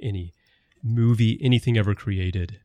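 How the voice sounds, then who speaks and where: A man's voice: lowish voice, normal speed, mellow, no echo. A man hosting a podcast in casual conversation, rambling a little and asking long, winding questions. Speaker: podcast host.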